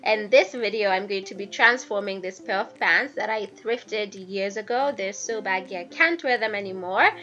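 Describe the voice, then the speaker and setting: A young woman with the flu, her voice raspy and hoarse, narrating a sewing tutorial in a chatty, playful way and talking straight to her viewers. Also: medium pitch. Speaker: DIY fashion YouTuber. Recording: slightly dull audio with soft background music.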